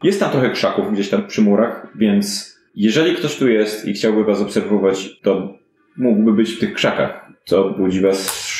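A man's voice: lowish voice, a little mellow. A man improvising descriptive narration as game master of a fantasy detective tabletop game. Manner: improvised, descriptive storytelling with hedging. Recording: roomy echo, faint music behind. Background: faint background music.

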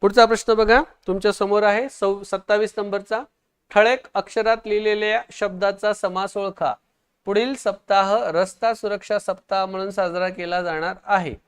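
This is a man leading an online exam-prep lesson, testing viewers with questions, hurrying their answers, and commending their comments. His high-pitched voice stays steady and smooth.

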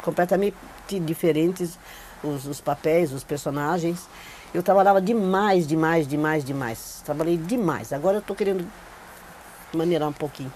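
An older Brazilian actress sits for a studio oral-history interview, recalling her career with animation and emphatic repetition. Her voice is low and darkish at a moderate pace, picked up by a clip-on lapel mic against a plain backdrop, with a little hiss or hum.

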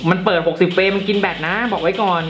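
A man reviewing tech gear, giving casual, excitable gameplay commentary to viewers in an air-conditioned room. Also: high voice, fast. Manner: excitable, exclaiming often while playing. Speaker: tech reviewer testing phone games. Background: game music.

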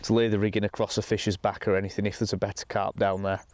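Low-voiced man fishing, chatting aloud. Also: fast talker. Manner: relaxed, matter-of-fact, thinking aloud. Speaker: angler presenting a fishing session. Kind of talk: casual commentary while fishing. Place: outdoors on a lake bank.

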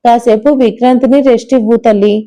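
A woman voicing a gentle middle-aged mother in an audio storybook, soothing and gently chiding. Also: a little high, steady tone, fast talker, lightly acted.

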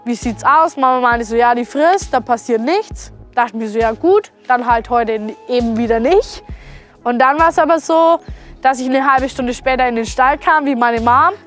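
A woman's voice: fairly high pitch, normal speed, faint music behind. A woman, talking casually to camera on a lapel mic in an open barn. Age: 20s. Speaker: farmer, vlog host. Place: open-sided cattle barn. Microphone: clip-on lapel.

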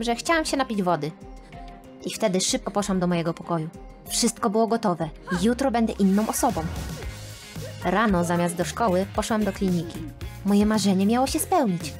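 Woman narrating a dramatic animated story. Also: mid-range voice. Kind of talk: scripted first-person narration of an animated story. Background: faint background music.

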